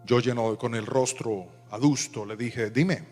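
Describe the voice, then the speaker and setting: A man in his thirties, a pastor preaching with passion and then softening into a quiet personal story. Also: mid-range voice, steady tone, a little slow. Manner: impassioned preaching, dropping to soft storytelling. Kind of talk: sermon. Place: large church hall. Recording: reverberant hall with soft music.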